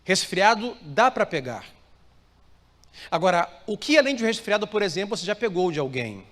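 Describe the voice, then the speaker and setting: A man with a high, very animated voice speaks at a normal pace, a Brazilian Portuguese-speaking pastor preaching to a live congregation in a church hall. He uses call-and-response, asking people to repeat phrases and answer him. The hall is reverberant, with soft music playing.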